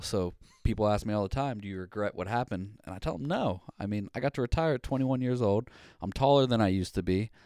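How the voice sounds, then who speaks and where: A man with an American accent at a very fast pace, ordinary pitch variation, and a dry, close sound with no echo. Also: very clean recording, silent background. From western Pennsylvania. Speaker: war veteran. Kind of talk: interview. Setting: studio.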